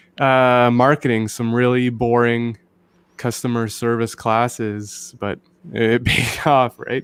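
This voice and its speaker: A man with a slight Canadian accent and a medium pitch speaks at a very slow pace in a monotone with flat intonation, on a very clean recording with a silent background. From Canada (southern Ontario). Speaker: music producer. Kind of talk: interview.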